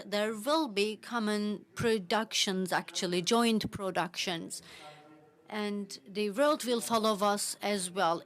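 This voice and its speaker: A woman giving live English interpretation of a panel discussion, halting, with frequent "actually" fillers. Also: medium pitch, fairly bright tone. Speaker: simultaneous interpreter.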